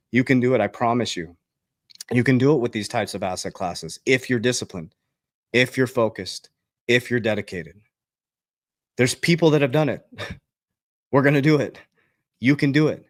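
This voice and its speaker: A man who works as a finance coach, giving a direct, preachy motivational talk with sudden jumps in pitch. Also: no echo, clean studio sound.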